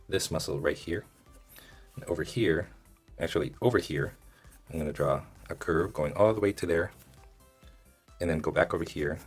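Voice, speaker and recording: A man who is a little hoarse, giving casual step-by-step drawing instruction and thinking aloud as he demonstrates. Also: very deep voice. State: hoarse, losing his voice. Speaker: drawing tutorial host.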